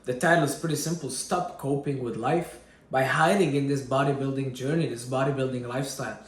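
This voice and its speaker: A man's voice: mid-range voice, steady tone, brisk, echoey room. A man in his late twenties, from Syria, speaking candidly to camera in a personal vlog, often repeating himself and adding fillers as he searches for words. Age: 20s. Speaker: fitness vlogger. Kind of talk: personal reflective monologue.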